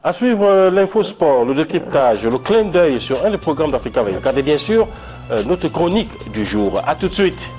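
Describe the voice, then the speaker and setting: Guy anchoring tv news, bouncy lively voice, music playing under him. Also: fairly high pitch, moderate pace. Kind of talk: TV news presenting.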